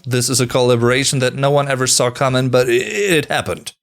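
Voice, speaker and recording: A man's voice: mid-range voice, a little fast, vocal fry. A man in his early thirties, a native German speaker, giving emphatic, conversational music commentary as a video host. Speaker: music reviewer, YouTube host. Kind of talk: scripted countdown commentary with casual asides.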